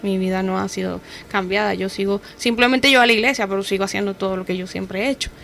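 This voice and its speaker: Casting: Colombian woman, mid-pitched voice, conversational testimony storyteller, faint noise behind. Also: fast, vocal fry, a bit bright. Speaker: guest giving her testimony.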